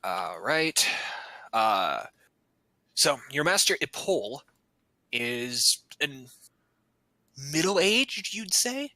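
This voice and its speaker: A man's voice: medium pitch, sing-song, drawn-out words, long pauses, bright, forceful tone, no echo, poor audio. A man narrating a tabletop game as game master, casual and joking, and he swears freely.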